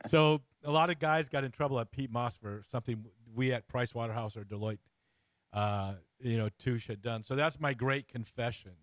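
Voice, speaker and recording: A man hosting a casual interview, informal and bantering, with halting phrasing. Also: medium pitch, no room sound. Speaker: interview host. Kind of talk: casual, jokey chat.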